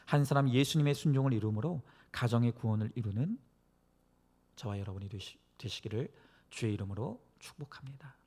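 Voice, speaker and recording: A male pastor preaching and praying earnestly to a congregation, exhorting them with phrases that swell from hushed to emphatic. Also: medium pitch, expressive, fairly quick. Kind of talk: sermon and prayer to a church congregation.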